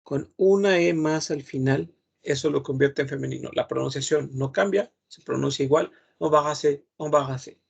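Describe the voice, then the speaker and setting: A man's voice: mid-range voice, normal speed, vocal fry, darkish tone, breathy edge, lo-fi sound. A man teaching a patient grammar lesson online, repeating each word and humming while he thinks. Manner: patient, repeats words several times, thinks aloud with hums. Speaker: French teacher.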